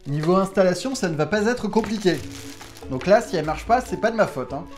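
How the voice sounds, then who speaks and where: A man's voice: sits high, animated, brisk, soft background music. A man hosting a casual unboxing vlog, talking to viewers in a playful, self-mocking way from a room at home. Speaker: YouTube host testing gadgets.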